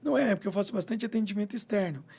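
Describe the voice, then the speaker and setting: Um homem veterinário, convidado de uma entrevista de rádio, falando de forma descontraída e tagarela e pontuando as frases com "entendeu?". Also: male voice, sits high, very fast, gravelly, darkish tone, husky. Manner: chatty, repeats "entendeu?" and "né?", acts out little scenes. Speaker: veterinarian and clinic owner. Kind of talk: radio interview guest, casual chat.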